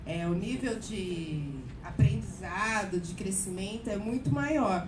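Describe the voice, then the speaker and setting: A woman speaks at a very slow pace with lively intonation. Noticeable background noise and audible room echo are present. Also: medium pitch for a woman. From São Paulo, Capão Redondo. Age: 40s. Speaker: community member. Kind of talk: public hearing speech.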